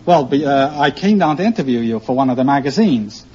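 A man's voice: mid-range voice, animated, fairly quick, darkish tone, husky. A man in his fifties from Austria, a quiz show contestant telling a story in an earnest, dry way, heard on a dull old broadcast recording. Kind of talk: casual chat.

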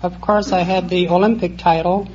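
Halting woman from Poland, old radio. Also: fairly low pitch, steady tone, darkish tone. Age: 40s. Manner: hesitant, halting. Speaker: quiz contestant. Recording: dull old radio broadcast.

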